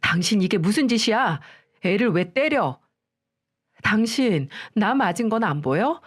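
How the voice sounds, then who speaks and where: A woman's voice: medium pitch, expressive, a little slow, breathy edge. Woman voicing a reproachful husband, raised voice, storybook reading, faint music. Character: husband siding with his sister.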